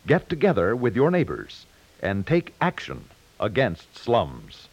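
A man with an American accent reading scripted 1950s radio announcements in a formal, emphatic, measured way. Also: fairly low pitch, wildly swooping pitch, gravelly, husky. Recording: muffled 1950s radio broadcast.

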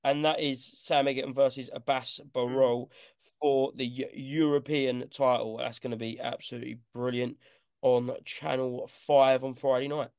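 A man's voice: medium pitch, level tone, normal speed, a little mellow, dry recording. A man with an Essex accent chatting casually as co-host of a sports podcast. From Essex, England.

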